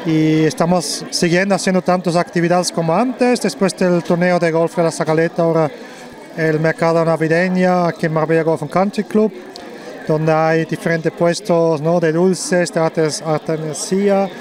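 A middle-aged man speaking as a foreigner, relaxed and slightly halting, in a casual interview. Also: on the high side. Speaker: club member being interviewed. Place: busy indoor Christmas market. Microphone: handheld interview microphone. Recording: crowd chatter in busy hall.

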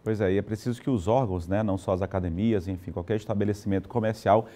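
A male television anchor speaks in a low, warm, mellow voice. He talks in a relaxed, conversational way with small fillers. He is recorded on a lapel mic in a news studio. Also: quick pace, slight background noise. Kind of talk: live morning news presenting.

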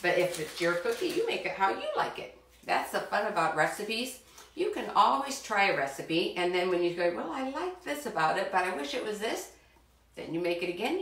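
A woman's voice: mid-range voice, big pitch swings, normal speed, fairly bright tone, slight background noise. Chatty woman in a roomy kitchen. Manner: chatty and encouraging, talks straight to kids. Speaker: cooking show host for children. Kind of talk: live cooking demonstration. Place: home kitchen. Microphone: far camera. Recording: roomy kitchen sound from a distance.

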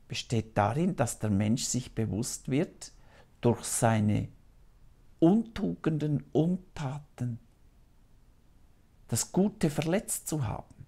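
A man's voice: medium pitch, mellow. A man in his fifties, a priest, preaching solemnly and earnestly to camera in a small TV studio on a lapel mic. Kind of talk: televised sermon.

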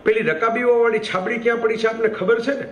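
A man's voice: very high-pitched, steady tone, fast, reverberant, muffled recording, a little hiss or hum. A man voicing a fretful old housemaid in a spoken storytelling, with an alarmed, lamenting way of talking. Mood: anxious.

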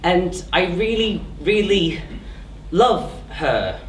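Woman as lovestruck comic servant for stage panto: playful, exclamatory, very lively delivery, distant roomy theatre recording. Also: fairly low pitch, very slow, slight background noise. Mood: confiding. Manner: exclamatory, playful, coaxing the crowd. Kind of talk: live amateur pantomime stage acting, addressing the audience. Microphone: distant camera.

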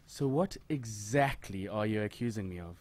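A man's voice: fairly low pitch, lively intonation, normal speed, darkish tone, no echo. A man playing a smug, predatory hairdresser in an audio drama, with an oily, suggestive and taunting manner. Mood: smug, menacing. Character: predatory male hairdresser, leering, smug churchgoer posing as respectable.

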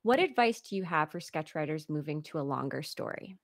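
Female panel moderator, lower register, informal, dry recording. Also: expressive, fairly quick, no room sound. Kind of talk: casual moderating, reading questions.

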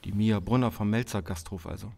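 A man's voice: lowish voice, fairly quick, gravelly, dark tone. An actor playing a worried, angry father of a missing daughter in an audio crime drama, with an agitated manner. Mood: shaken, worried. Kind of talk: German audio drama acting.

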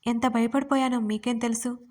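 A woman's voice: a little high, steady tone, moderate pace, darkish tone, lightly acted. A woman voicing a sulky, defiant young wife who talks in a pouting, indignant way.

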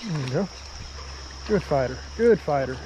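Guy filming himself fishing a creek, kinda high voice, lots of outdoor noise. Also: moderate pace. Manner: excited, talks to viewers while fishing. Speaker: fishing vlogger. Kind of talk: casual outdoor commentary.

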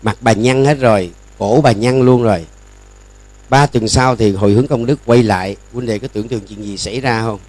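A man's voice: mid-range voice, a little fast, a little mellow, no echo. An older man with a Southern Vietnamese accent, a Buddhist monk giving a sermon in a folksy storytelling way, acting out the people in his stories.

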